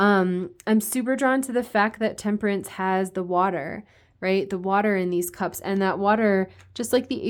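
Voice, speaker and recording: In a normal speaking voice, a woman of medium pitch talks at a moderate pace with fairly even intonation. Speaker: tarot reader. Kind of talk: tarot reading monologue. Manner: filler-heavy, casual.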